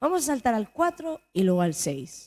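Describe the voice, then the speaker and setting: On a very clean recording with a silent background, a woman speaks in a dark, mellow tone with very wide pitch swings. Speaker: pastor. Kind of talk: sermon.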